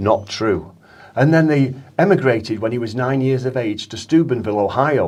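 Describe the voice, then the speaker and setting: A man with a medium pitch and ordinary pitch variation speaks at a moderate pace in front of a quiet background. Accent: Manchester. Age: 70s. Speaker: radio presenter. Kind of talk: casual chat.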